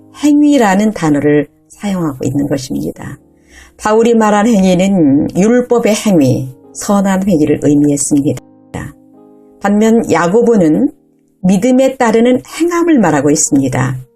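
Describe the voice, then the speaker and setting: A woman speaks at a fairly slow pace with a medium pitch and very wide pitch swings, keeping her loudness very even. Music plays in the background. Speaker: preacher / pastor delivering a sermon. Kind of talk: sermon, preaching to an audience.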